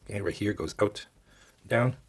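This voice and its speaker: A man with a very low, raspy voice that sounds hoarse and worn. He guides a drawing tutorial informally, step by step, thinking aloud as he goes. Music plays behind him. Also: moderate pace. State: hoarse, losing his voice. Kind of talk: casual step-by-step drawing instruction.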